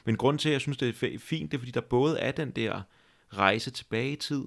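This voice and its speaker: Man, podcast host, gravelly voice, thoughtful, halting restarts. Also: mid-range voice. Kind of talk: reflective conversation.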